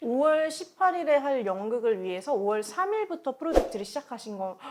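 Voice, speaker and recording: Very wide pitch swings run through the speech. The pace is fairly quick. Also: woman. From Korea, Incheon. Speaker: teacher co-host of education show. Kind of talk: casual interview chat.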